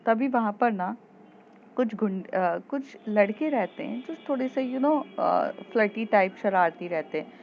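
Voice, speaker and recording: A woman's voice: mid-range voice, lively intonation, measured pace, vocal fry, slight background noise. A woman telling a love story in a chatty, casual way, with fillers and repeats, on a dull lo-fi recording.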